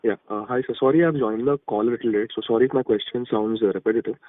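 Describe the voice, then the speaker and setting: Male analyst caller, brisk and deferential, dry narrow phone sound. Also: mid-range voice, no echo, recorded from a distance. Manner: polite, deferential. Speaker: caller asking questions, investor or analyst. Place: phone call.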